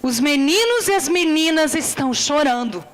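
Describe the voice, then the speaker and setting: A woman pastor with a Brazilian accent preaching a sermon in church, emphatic and calling out to the congregation, often sinking low on tender words of address. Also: lively intonation, normal speed, poor audio. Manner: calls for answers from the congregation. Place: church service.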